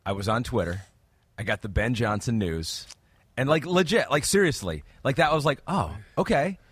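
A man's voice: medium pitch, big pitch swings, moderate pace, fairly bright tone, husky, no echo. Laid-back man saying "like" a lot. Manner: laid-back, heavy use of "like". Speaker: podcast co-host. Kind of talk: casual football chat. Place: studio desk close to co-host.

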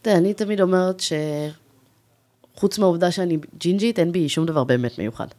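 Chatty woman in her thirties, somewhat low voice. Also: expressive, dark tone. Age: 30s. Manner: chatty, storytelling, enthusiastic. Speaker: podcast guest. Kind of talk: casual podcast interview.

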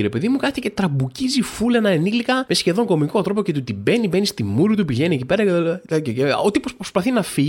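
A man hosting a podcast, telling an exasperated, comic story in a casual monologue and acting out quotes. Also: fairly high pitch. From Greece. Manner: animated, exasperated, comic retelling with acted-out quotes. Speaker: podcast host.

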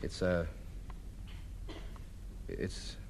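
An actor playing a pompous, self-important man in a 1950s radio sitcom, blustering and grandiloquent. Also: extremely slow. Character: pompous, self-important middle-aged man hoarding junk. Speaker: comedy lead. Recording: noisy old radio broadcast.

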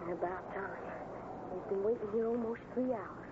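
An actor playing an eager, impatient boy cowboy hero in an old American radio adventure, excitable and urgent. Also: high-pitched, normal speed, close to an everyday voice. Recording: noisy, narrow-band old radio recording.

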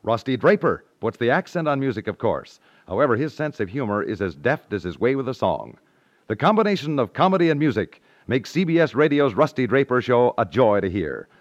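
A man's voice: mid-range voice, big pitch swings, fairly quick, dry recording. An American man announcing in a polished, upbeat 1950s network radio style, reading scripted promotion. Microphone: dry studio announcer mic. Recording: dull vintage 1950s radio recording.

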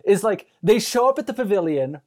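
A woman talks in a mid-range voice that swings widely up and down. She is animated, giggly and loose with swearing, chatting casually and comically as on a podcast. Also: medium pitch, brisk. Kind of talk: casual comedic podcast chat.

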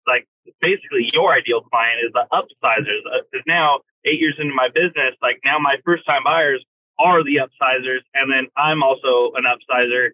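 A man who works as a real estate agent asks a question on a phone call from his car while driving, talking haltingly with many fillers. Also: medium pitch, fairly even intonation, dry recording. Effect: phone call from a moving car. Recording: tinny phone line, dry.

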